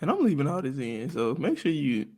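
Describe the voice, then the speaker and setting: A man in his twenties with a Mississippi accent, co-hosting a podcast, playful and excitable in casual chat with his sister. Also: fairly high pitch, fairly quick. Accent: Southern US, Mississippi. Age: 20s. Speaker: podcast co-host.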